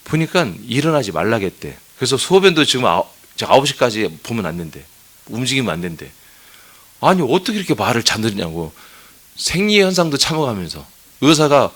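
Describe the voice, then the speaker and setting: Male pastor, dawn sermon, low voice, chatty storytelling, scolding with humor. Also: a bit bright. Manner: asks the congregation for answers. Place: church sanctuary.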